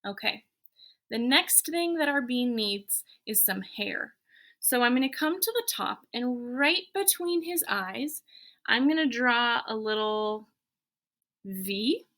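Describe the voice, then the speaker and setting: Bright, higher-voiced woman teaching. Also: lively intonation, takes it slowly. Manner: encouraging, simple instructions, thinking aloud while drawing. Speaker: elementary school teacher. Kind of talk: step-by-step guided drawing lesson for children.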